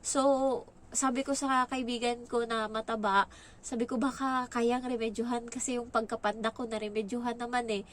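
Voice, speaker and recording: A woman's voice: fairly high pitch, level tone, moderate pace, a little hiss or hum. A young woman with a Filipino accent telling a story in casual vlog chat. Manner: chatty, acts out quoted lines in a raised voice. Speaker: vlogger.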